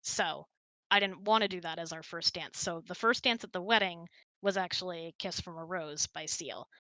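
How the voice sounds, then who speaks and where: A woman's voice: on the low side, moderate pace, sharp tone, no echo, low-quality recording. A woman hosting, chatting casually and telling personal stories in a conversational way. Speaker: host.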